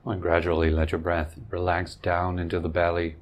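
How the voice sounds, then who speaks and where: A man with a low voice guides a meditation in short, gentle phrases. He leaves long, unhurried pauses between instructions. There is clear ambient noise behind him. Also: monotone. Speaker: meditation teacher.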